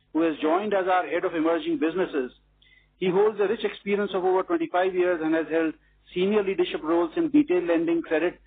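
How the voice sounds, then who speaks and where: A man with an Indian accent formally reading out a scripted financial presentation as a company executive, in measured fashion. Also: fairly high pitch, husky. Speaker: bank executive presenting quarterly results. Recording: muffled lo-fi conference call audio.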